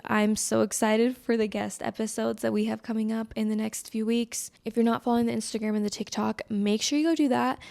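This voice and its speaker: A woman's voice: fairly high pitch, vocal fry, a little mellow. An American woman hosting a solo podcast in a casual, chatty way, with a scratchy, slightly congested voice on a close microphone. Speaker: podcast host.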